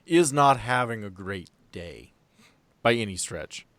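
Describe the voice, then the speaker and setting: A man's voice: lowish voice, animated, a little slow, fairly bright tone, no room sound. A man narrating a tabletop role-playing game as game master, telling the story in an improvised, conversational way.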